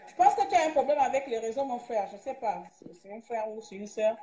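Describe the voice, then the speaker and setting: A woman talks to her livestream audience, agitated and impulsive and struggling to keep control. Her voice is mellow and fairly high. The room is echoey, with faint music underneath. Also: lively intonation, quick pace. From Gabon. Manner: agitated, admits she is angry and impulsive. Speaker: livestream host. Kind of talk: casual live-stream talk.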